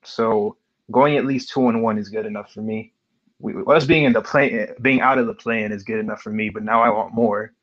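A male podcast host in a casual sports chat who talks in an excitable, slangy way. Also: fairly low pitch, moderate pace. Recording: dull lo-fi sound.

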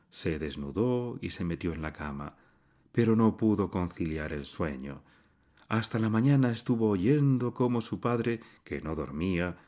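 A man with a lowish voice reads a classic tale aloud. His delivery is measured and somber, giving weight to each quiet sentence. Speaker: narrator. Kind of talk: literary audiobook reading.

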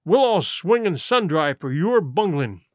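A man's voice: sits high, very animated, measured pace, no room sound, studio quality. A man voicing a tall, surly pirate mutineer in an audiobook, blunt and accusing in rustic nautical dialect. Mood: bitter. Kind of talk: audiobook character acting.

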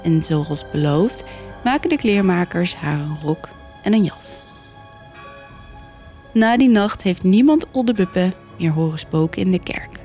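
A woman podcast host narrating a folk tale in a clear, steady storytelling manner. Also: lowish voice, a little slow, faint music behind.

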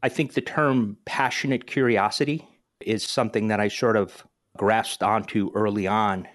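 A man's voice: lowish voice, steady tone, moderate pace. A man in his forties who grew up in New Jersey and speaks Greek as his first language, hosting a podcast in an upbeat, chatty way. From northern New Jersey. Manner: talkative and upbeat, with frequent restarts. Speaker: podcast host. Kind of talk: casual podcast conversation.

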